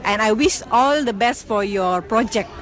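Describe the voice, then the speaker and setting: A woman's voice: a little high, lively intonation. Enthusiastic woman from Indonesia. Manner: enthusiastic, halting with fillers. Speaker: convention attendee. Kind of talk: interview answer.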